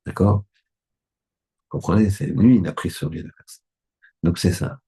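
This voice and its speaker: A man's voice: low-pitched, normal speed, gravelly, dark tone, breathy edge. A man, a rabbi, giving a Torah lesson in a conversational way, often checking that his listeners agree.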